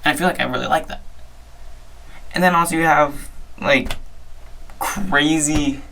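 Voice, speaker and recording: A young man hosting his own podcast, his voice hoarse and strained. The tone is gravelly with plenty of fry. He talks in a chatty, upbeat way and often restarts his sentences. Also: on the high side, measured pace, pushed and bright, slight background noise, poor audio. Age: young adult. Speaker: podcast host. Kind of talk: casual solo sports talk.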